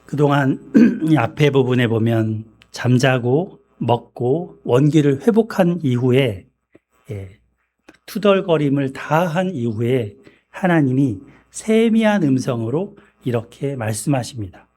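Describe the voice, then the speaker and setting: A man preaching a sermon in a church, speaking in a measured way and often clearing his throat. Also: medium pitch, lively intonation, mellow. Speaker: pastor.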